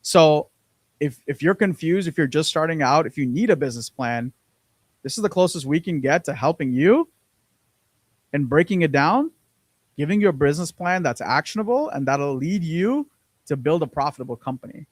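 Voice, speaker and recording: A man's voice: a little high, expressive, normal speed, dry recording. Casual man chatting on a podcast. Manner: rambling, repeats words, many fillers. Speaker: podcast co-host. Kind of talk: casual business podcast chat.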